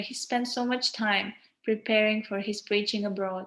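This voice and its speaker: A woman talks at a fairly quick pace with a Croatian accent. Her pitch is fairly high and her intonation fairly even. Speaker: devotional reader. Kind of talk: reading aloud. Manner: halting, self-correcting.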